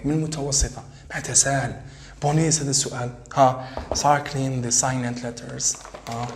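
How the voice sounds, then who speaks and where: A man with an Algerian Arabic accent, teaching an English exam lesson in Arabic and English and reading the English sentences slowly, with drawn-out words. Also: medium pitch, roomy sound.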